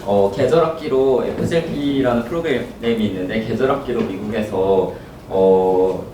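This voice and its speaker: A man's voice: on the low side, moderate pace, noisy background. A man who is a student, giving an impromptu answer in a lecture room, hesitant with fillers and restarts. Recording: far from the mic in a roomy hall.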